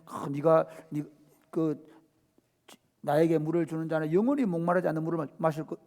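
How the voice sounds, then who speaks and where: A male pastor preaching an animated sermon, acting out voices and swinging from hushed tones to shouts. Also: a little high, fairly quick. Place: church sanctuary. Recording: church hall reverb.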